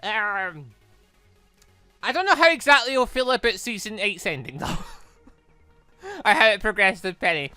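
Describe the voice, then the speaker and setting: A young man commentates casually on a game in a bright, fairly high voice. He rambles excitably, his pitch jumping around, with faint music behind him. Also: normal speed, long pauses, smooth, dry recording. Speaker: gaming channel host. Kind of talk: casual Let's Play commentary.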